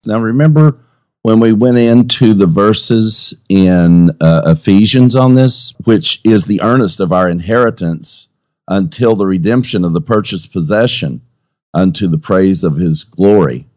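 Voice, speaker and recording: Low-voiced man with TV-preacher cadence. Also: measured pace, a little mellow, dry recording, lo-fi sound. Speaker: Bible teacher and co-host. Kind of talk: conversational Bible teaching with a preacher's delivery.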